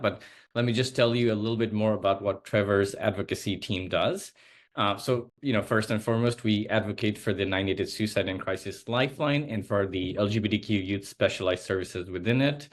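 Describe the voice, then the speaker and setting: A man from Nepal, probably in his thirties, giving an earnest slide presentation on a video call, often using small fillers as he talks. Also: on the low side. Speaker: advocacy presenter.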